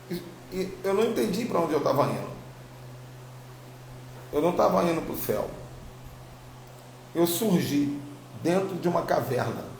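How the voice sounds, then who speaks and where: A man's voice: a little high, gravelly. A Brazilian man with a slight tongue-tie giving an informal spiritual testimony to online followers as a preacher, telling it emphatically and repeating phrases. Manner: informal, emphatic storytelling with repetition. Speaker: apostle, religious teacher. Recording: roomy echo, faint background noise.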